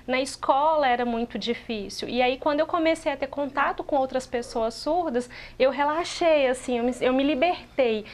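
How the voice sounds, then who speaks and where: Woman interpreter, high voice, steady explaining, tv studio lapel mic. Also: normal speed, hardly any pauses, a little hiss or hum. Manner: steady, explanatory, with frequent restarts. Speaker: sign language interpreter. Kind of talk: TV talk show guest, voicing a deaf guest's answers.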